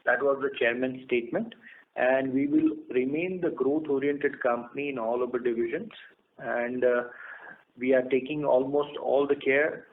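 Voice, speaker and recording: An Indian man, a company executive, giving formal, measured answers to investors on a conference call. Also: medium pitch, fairly even intonation. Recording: muffled phone line with clear noise.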